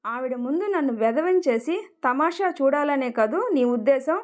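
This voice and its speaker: A woman's voice: high voice, animated, normal speed. A woman voicing an angry young husband whose held-back rage breaks through in clipped, menacing questions. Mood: restrained fury. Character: furious young husband, barely restrained anger.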